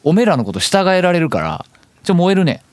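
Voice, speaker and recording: A male voice actor playing a cocky young idol singer who teases his bandmates in rough, casual speech on a web radio show. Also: sits high, big pitch swings, fast talker, no room sound. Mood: brash teasing. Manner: brash, teasing, rough-spoken. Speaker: member of a virtual dance-vocal group. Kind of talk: casual radio talk in character.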